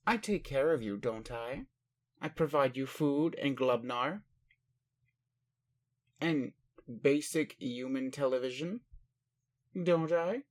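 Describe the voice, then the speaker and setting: A man acts out a male alien caretaker from a roleplay audio, talking slowly in a mid-pitched voice. He is formal and halting, endlessly puzzled by human ways. He questions the listener in a literal-minded but caring manner. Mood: defensive, caring.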